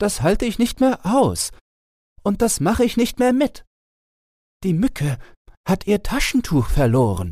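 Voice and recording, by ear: Someone performs a put-on character voice with big pitch swings, a slightly mellow tone, a fairly slow pace and long, frequent pauses, in a very clean recording with a silent background. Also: man, high pitch for a man.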